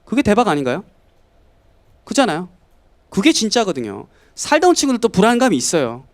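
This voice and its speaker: A man in his thirties from South Korea giving a lively lecture to students, often acting out quoted voices. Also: high voice, brisk. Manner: animated, acts out students and family in quoted voices. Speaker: English lecturer.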